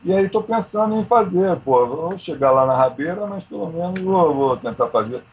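A man of around sixty with a husky voice, chatting informally and slangily as he tells stories. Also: sits high, expressive, normal speed, muffled recording, a little hiss or hum. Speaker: amateur triathlete, interview guest. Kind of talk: casual chat, storytelling.

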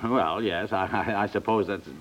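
An actor playing an impatient, easily alarmed American husband in a 1950s radio comedy, hesitant, stammering and repeating himself. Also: male voice, lowish voice, normal speed, fairly bright tone. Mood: alarmed, flustered. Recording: dull 1950s radio recording.

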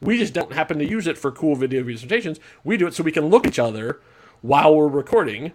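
Speaking quickly with big pitch swings, this podcast co-host has a slightly high, somewhat mellow voice, and there's slight background noise. He talks casually on his own remote mic, rambling with frequent restarts and fillers.

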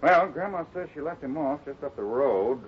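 A man playing a steady, fatherly cowboy ranch boss in a 1950s radio serial, firm and plain-spoken as he takes charge. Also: on the high side, normal speed, lightly acted. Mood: businesslike. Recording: muffled, noisy old radio recording.

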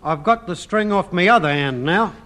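A man's voice: high voice, expressive, normal speed, a bit bright. An actor in a vintage radio sitcom playing a dim-witted, flustered young man who stammers and hesitates. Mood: dopey. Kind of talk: 1950s radio sitcom acting.

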